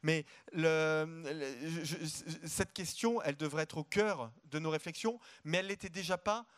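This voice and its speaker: Male guest economist, fairly high-pitched and outspoken; emphatic conference stage interview, stumbles on repeated words. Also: unhurried, fairly bright tone, smooth. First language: French.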